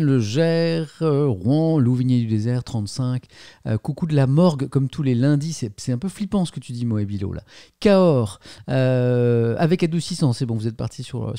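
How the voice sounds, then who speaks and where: A man's voice: mid-range voice, mellow, no echo, clean studio sound. A middle-aged man hosting a casual livestream, chatting and joking as he reads out viewer messages, often stumbling over and repeating his words. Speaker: livestream host.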